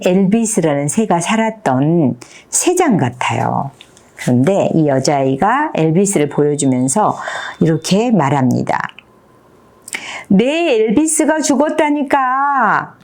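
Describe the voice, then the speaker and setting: Lively, low-voiced woman telling a picture book. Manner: animated storytelling, asks the audience questions. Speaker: teacher reading a picture book. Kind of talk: picture-book talk to an audience.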